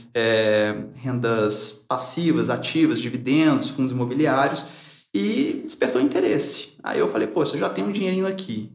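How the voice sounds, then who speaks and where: Medium-pitched man from Venezuela, echoey room. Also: vocal fry. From born in Venezuela, grew up in Brazil and Chile. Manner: earnest, informal, conversational. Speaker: podcast guest, investor and consultant. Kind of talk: casual explanatory chat.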